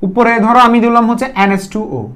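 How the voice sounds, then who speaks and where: A man's voice: extremely high pitch, fairly even intonation, normal speed, fairly bright tone. A man with a Bangladeshi Bengali accent giving a chemistry video lecture, repeating key terms and quizzing the viewer with questions. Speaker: chemistry teacher.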